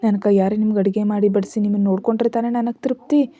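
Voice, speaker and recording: A woman's voice: medium pitch, steady tone, quick pace, warm tone, muffled recording, natural voice. A woman voicing a loving, frail older mother-in-law in a storybook reading, with a motherly manner. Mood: tender.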